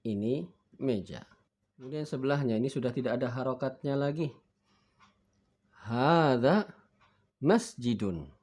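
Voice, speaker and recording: A man's voice: medium pitch, a little fast, mellow. A man teaching a beginner Arabic lesson, reading each word twice for students to repeat and acting out forgetting and looking up words. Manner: patient, acts out forgetting and finding words.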